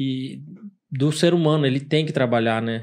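Against a quiet background, a man talks at a fairly slow pace and medium pitch. He has a normal speaking voice with fairly even intonation. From Brazil. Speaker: podcast co-host. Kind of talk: casual chat. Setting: studio.

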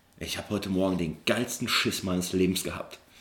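A man at a moderate pace, with audible room echo. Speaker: podcast co-host. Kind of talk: casual chat.

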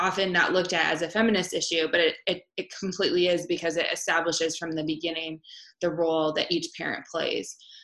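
This woman talks at a very fast pace. Her pitch is fairly low and her intonation is monotone and flat. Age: 20s. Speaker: newspaper editor. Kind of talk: podcast interview.

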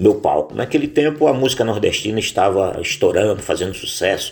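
Here is a man with an unremarkable speaking voice. His pitch variation is ordinary. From Brazilian Northeast, Mossoró, Rio Grande do Norte. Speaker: singer-songwriter. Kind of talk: interview.

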